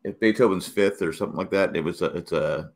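A man's voice: low voice, fast talker. A man joking around in casual chat with friends. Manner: playful, jokey, sings snippets.

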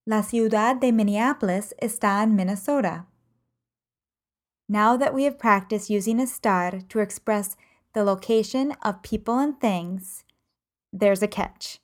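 A woman teaching a language lesson podcast, reading example sentences in measured, carefully enunciated phrases. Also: medium pitch. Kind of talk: slow, clear podcast lesson.

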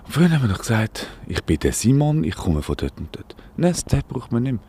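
A man's voice: medium pitch, big pitch swings, fast, mellow, husky. A man with a Swiss German accent hosting a satirical radio show, talking outdoors in a rambling, sarcastic, mock-alarmed way. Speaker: radio host. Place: outdoors, walking.

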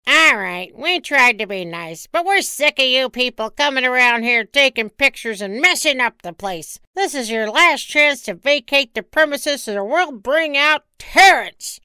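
A woman's voice: high voice, lively intonation, measured pace, few pauses, bright, forceful tone, clean tone, dry recording, voice pushed up, exaggerated voice. A woman voicing a tough, threatening penguin chief who bosses people around. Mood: menacing. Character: bossy gangster penguin chief.

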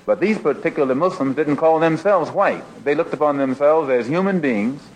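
Man giving a deliberate, oratorical speech. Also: on the high side, a little hiss or hum, low-quality recording. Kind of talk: archival speech clip.

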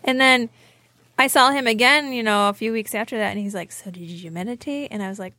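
A woman co-hosting a podcast, telling a personal story in an animated, chatty way. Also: a little high, brisk. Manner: animated storyteller, laughs often. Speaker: podcast co-host. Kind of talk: casual storytelling chat.

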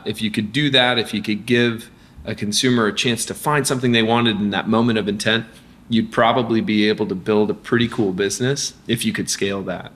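A company founder appears as a guest in a laid-back business interview. He speaks energetically, restarting sentences and using plenty of fillers, and his voice sits on the low side.

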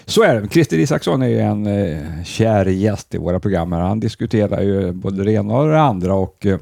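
Radio host, male, very low gravelly voice, halting casual chat, dry studio sound. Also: lively intonation, a little mellow, dry recording. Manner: hesitant, many filler sounds.

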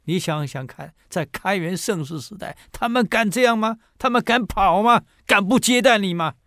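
A man's voice: high-pitched, moderate pace, fairly bright tone, dry recording, clean studio sound, pitched above the performer's own voice. A man doing an impassioned old commoner scolding an emperor. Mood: indignant. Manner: pleading, rising to indignant outbursts.

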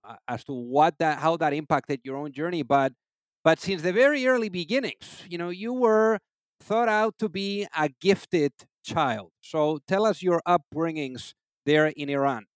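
A man's voice: a little high, measured pace, no echo. A man hosting a podcast interview, wordy and conversational, often padding with "you know".

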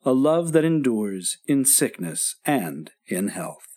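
Slow, expressive man host. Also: medium pitch. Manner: slow, expressive announcer delivery. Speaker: podcast host. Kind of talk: scripted closing announcement.

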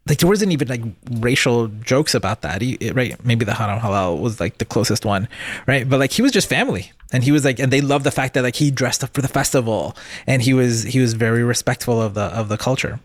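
A man in casual chat, thinking aloud in halting, restarting sentences. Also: mid-range voice, animated, dry recording. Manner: halting, many fillers and restarts, thoughtful. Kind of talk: casual chat about a show.

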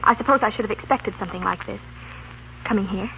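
A woman's voice: medium pitch, fast, vocal fry, close to an everyday voice. An actress playing a proud, easily hurt young woman with ironic politeness in a 1930s radio drama. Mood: flustered, hurt. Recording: tinny, hissy 1930s radio broadcast.

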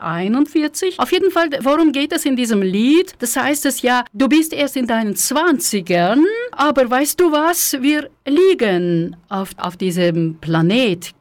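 A woman's voice: a little high, no room sound. A woman radio host, chatting and recapping her guest's words in a bilingual interview. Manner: chatty, recaps guest's words in German, some halting restarts. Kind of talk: bilingual interview, German and Russian.

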